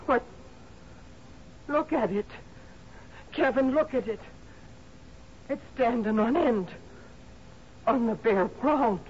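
A woman's voice: fairly high pitch, slow, long pauses, darkish tone. An actress playing an earnest, distressed woman in a gothic radio drama, speaking with pleading intensity. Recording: muffled radio broadcast with faint noise.

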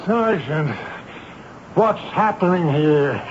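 An actor playing a stern, authoritative army major in a 1970s radio drama. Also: male voice, on the high side, expressive. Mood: sharp command. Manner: authoritative, brisk, urgent. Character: stern, commanding army major recounting and leading a manhunt. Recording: muffled, very noisy 1970s radio recording.

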